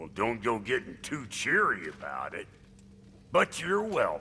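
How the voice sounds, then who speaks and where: Against clear background noise, a man puts on a raspy character voice at a medium pitch and a moderate pace. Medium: video game. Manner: brusque, sarcastic.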